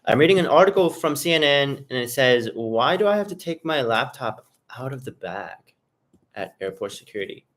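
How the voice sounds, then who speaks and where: This livestream host talks in a sing-song, mid-range voice with a fairly bright tone and normal speed. He rambles casually to his chat viewers, addressing them directly as he eats.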